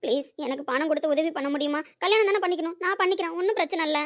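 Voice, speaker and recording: A woman's voice: very high-pitched, racing. A woman playing a desperate, pleading young woman. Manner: pleading, urgent. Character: desperate young woman needing money for her father. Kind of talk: amateur audio drama.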